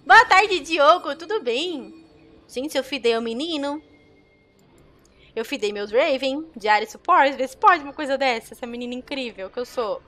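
A young Brazilian woman chatting casually with viewers while streaming a game, with excitable outbursts. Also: high-pitched, normal speed. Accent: Brazilian Portuguese. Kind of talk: casual gameplay commentary.

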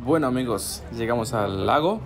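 A man's voice: mid-range voice, lively intonation, moderate pace, over music. A man narrating a travel vlog and describing a lake with enthusiasm. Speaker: travel vlogger.

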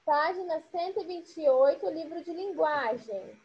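A woman teacher giving an online class to young children, slow, patient and full of praise. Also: very high-pitched, lively intonation, a little mellow, slight background noise. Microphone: video call. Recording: muffled video call audio.

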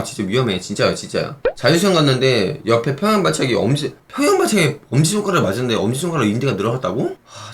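A man talks on a live stream in a loose, chatty way, and his pitch swings up and down a lot as he reacts. He counts out kicks and swears casually as he goes. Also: slight background noise. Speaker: swimming coach and YouTuber. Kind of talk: casual live-stream chat reading comments.

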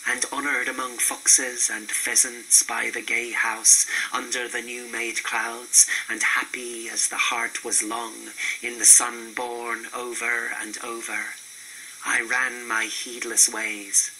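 Guy reciting a poem super slow and declamatory, really forceful bright voice, bit of hiss. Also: mid-range voice, little pitch movement, rough recording. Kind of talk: poetry recitation. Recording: faint hiss and background noise.

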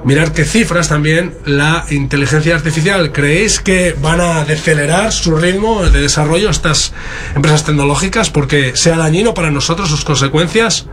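A man with a Spain Spanish accent, interpreting a keynote simultaneously from a booth in a halting, stop-start way. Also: a little high, a bit bright, slight background noise.

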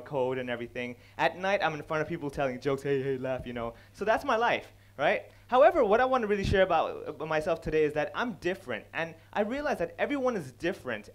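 A young man from Hong Kong doing stand-up comedy on a large stage, speaking into a headset mic and acting out characters with quick voice changes. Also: a little high. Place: large dark stage before a live audience.

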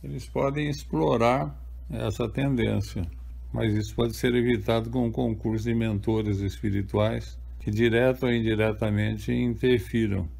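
Older Brazilian man, gravelly calm voice. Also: medium pitch, a little slow. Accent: Brazilian Portuguese. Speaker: author interviewed. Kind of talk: measured spoken answers.

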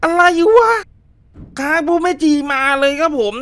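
A man's voice: very high-pitched, fairly even intonation, fast talker, fairly bright tone. A man hosting a horror-game let's play, chatting politely with viewers and often exclaiming and laughing. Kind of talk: casual horror-game commentary.

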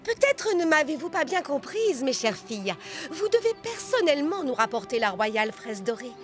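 A woman's voice: high voice, sing-song, music in the background. A woman playing a dignified cartoon queen, a composed and reproving mother with a formal delivery. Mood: stately, reproving. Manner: formal, measured. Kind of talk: French cartoon dub acting.

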